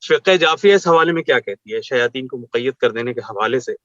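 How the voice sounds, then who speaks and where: A man's voice: medium pitch, expressive, a bit bright, dry recording. A man hosting a religious TV talk show, speaking formally and courteously, with many honorifics and blessings for his guest. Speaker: TV show host. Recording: dull lo-fi studio sound, dry.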